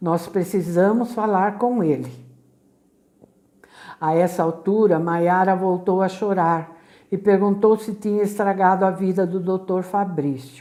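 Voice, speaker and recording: A woman speaks at a fairly slow pace and medium pitch, her tone dark and mellow. Her intonation stays fairly even, broken by long, frequent pauses. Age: 70s. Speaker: teacher. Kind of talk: audiobook reading.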